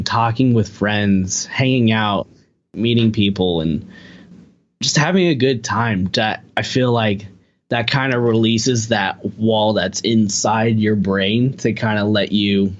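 A young man talking as a guest musician on a podcast, rambling casually with a lot of "like" in his sentences. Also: fairly low pitch. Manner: rambling, heavy use of filler "like".

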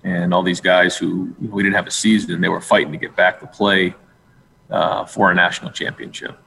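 Deep gravelly male coach, echoey hall. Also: level tone, sharp tone, slight background noise. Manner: measured, with fillers. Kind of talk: press conference answers. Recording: echoey hall with faint background.

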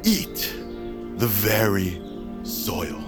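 Audio drama role: theatrical, reverent tribal orator, unhurried ceremonial delivery over clear music. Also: male voice, on the low side, lively intonation.

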